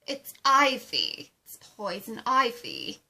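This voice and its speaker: A woman playing a haughty, seductive plant villainess with a breathy voice and a condescending, theatrical drawl in an amateur roleplay. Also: on the high side, wildly swooping pitch, slow, bright, forceful tone, heavily acted. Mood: irritated.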